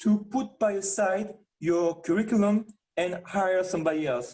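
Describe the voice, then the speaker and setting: A man speaks at a fairly slow pace with a strong French accent. His pitch is high, with ordinary pitch variation. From France. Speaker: visually impaired writer and association leader. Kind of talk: interview. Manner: careful, deliberately clear.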